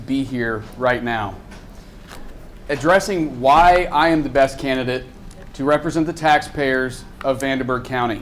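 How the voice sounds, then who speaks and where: A moderate-paced voice with noticeable background noise and long, frequent pauses. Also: man. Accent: American. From Indiana, Evansville area. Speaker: political candidate, attorney. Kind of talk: political debate.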